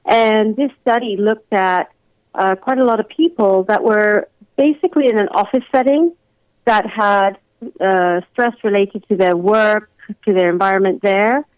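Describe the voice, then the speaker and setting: A woman from London with an English accent, a doctor giving measured, reflective explanations as a remote radio interview guest. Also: mid-range voice, smooth, no echo. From London, England. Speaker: guest family physician. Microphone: remote call-in line. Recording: dull, lo-fi phone-in line.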